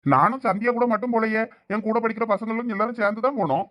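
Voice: mid-range voice, fast, a bit bright, no echo, clean studio sound, close to an everyday voice. A performer playing an irritated college-going son arguing with his mother in a village comedy skit, with a Thoothukudi Tamil accent. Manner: irritated, argumentative.

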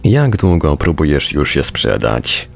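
A man reading book excerpts as scripted narration, in a gravelly voice with a measured storytelling delivery. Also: rumbling low, very animated.

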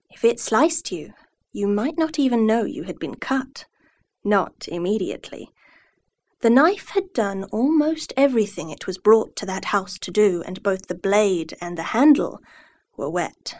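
A young woman voice actor giving measured, storytelling narration. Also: mid-range voice. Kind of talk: scripted narration reel.

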